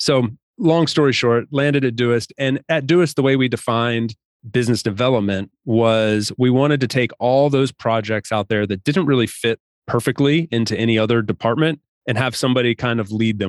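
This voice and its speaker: A man with an American accent has a normal speaking voice at medium pitch, with ordinary pitch variation. He talks at a fairly quick pace against a quiet background. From US. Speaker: head of remote at a company. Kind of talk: podcast interview, conversational.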